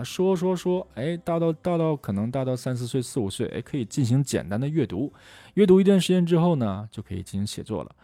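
A middle-aged man teaching how to memorize English words, lively and full of rhetorical questions. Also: on the low side, no echo. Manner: lively, rhetorical questions, often asks "right?". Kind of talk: lecture on memorizing vocabulary.

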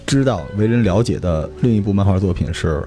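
Deep-voiced, thoughtful man. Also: expressive, over music. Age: 40s. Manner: measured, thoughtful, explains at length. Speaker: podcast co-host. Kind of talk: casual podcast chat.

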